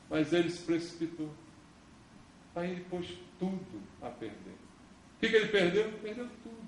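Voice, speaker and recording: A man's voice: high voice, slight background noise. A man with a Brazilian Portuguese accent, preaching a sermon as pastor and posing rhetorical questions to the congregation. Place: church sanctuary. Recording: echoey church recording from a distance.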